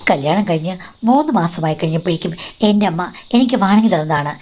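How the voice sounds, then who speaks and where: Woman, scripted story narration, confiding tone, slightly low voice. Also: animated, fast, a little mellow, a little hiss or hum. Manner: confiding, addresses the listener as madam.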